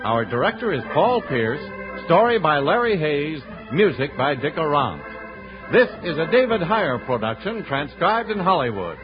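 Animated high-pitched old-time American radio announcer man. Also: normal speed. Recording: dull old radio recording, organ music behind.

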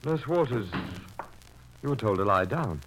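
A man's voice: medium pitch, expressive, a bit bright, a little hiss or hum, rough recording. A man playing a stern, rational but troubled doctor, with formal 1940s radio diction on a vintage recording. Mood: skeptical. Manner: formal, grave, measured diction. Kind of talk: 1940s radio drama acting and narration.

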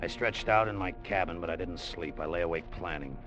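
An actor playing a scheming sailor who plots to take a salvaged treasure, narrating in tough first person, 1940s radio acting. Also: male voice, deep voice, fairly quick, lightly acted. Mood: brooding. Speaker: narrator and lead character. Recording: muffled old radio broadcast with music.

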